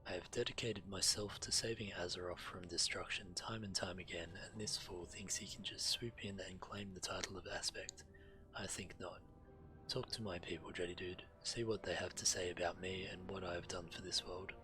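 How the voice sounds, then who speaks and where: An actor playing a proud, self-important black dragon in a video game, speaking formally and persuasively. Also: male voice, low voice, little pitch movement, normal speed, close to an everyday voice, poor audio. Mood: indignant. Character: proud male black dragon claimant, haughty, earnest, indignant. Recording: music behind the voice.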